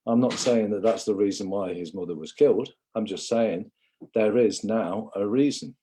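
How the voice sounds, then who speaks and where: A man's voice: fairly low pitch, moderate pace, mellow, slight background noise. A man from England giving a rambling, impassioned livestream monologue, often calling viewers "guys".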